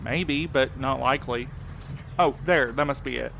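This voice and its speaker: A wary male courier acted by a man in an audio drama, speaking in a middle-pitched, wry and informal voice. He is sarcastic and naturalistic, with clear night-time insect noise behind him. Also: normal speed, fairly bright tone. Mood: puzzled.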